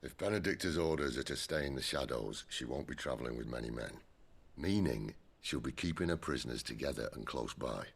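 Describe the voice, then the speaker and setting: Gruff rebel boss in a game, super low husky gravelly voice, wry and shrewd. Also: male voice, animated, fairly quick, full character voice. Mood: commanding. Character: gruff, wry middle-aged rebel leader, calm and shrewd. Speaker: video game actor. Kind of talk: cinematic game cutscene acting.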